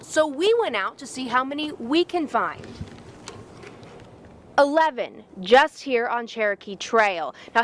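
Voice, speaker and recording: A woman's voice: a little high, fairly bright tone. A woman reporting live as a television news field reporter, in a scripted news delivery. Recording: faint outdoor traffic noise.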